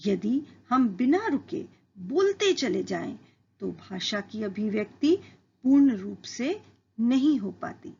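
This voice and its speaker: A woman teacher giving a slow, careful, scripted school lesson. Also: medium pitch, vocal fry, darkish tone, slightly rough, highs cut off. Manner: slow, careful, deliberate delivery.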